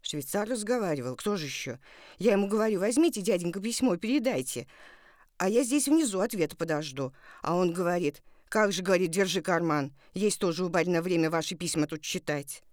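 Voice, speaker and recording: A woman's voice: fairly low pitch, lively intonation, brisk, darkish tone, dry recording, natural voice. Poor young boy, voiced by a woman, plaintive, aggrieved, colloquial speech, literary story, dry sound. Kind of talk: dramatic literary reading.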